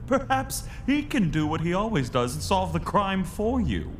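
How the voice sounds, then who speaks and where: An actor playing an indignant, snide and pompous city politician in a theatrical pulp radio drama style. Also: male voice, high-pitched, very animated, unhurried, slight background noise. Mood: snide, mocking.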